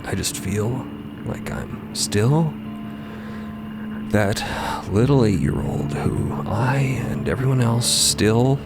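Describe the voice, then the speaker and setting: A man voicing a wounded, earnest trans woman in a fiction podcast, halting and sighing as she confesses her self-doubt. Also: lowish voice, heavily acted. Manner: halting, sighing, breaking into hushed near-whispers. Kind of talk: emotional dramatic monologue in a narrated fiction podcast. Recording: loud music bed.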